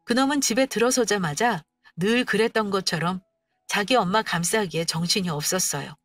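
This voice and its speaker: A woman's voice: medium pitch, normal speed, dry recording, recorded from a distance. A woman narrating a scripted first-person story in a confiding, dramatic manner. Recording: dry studio voice-over with music.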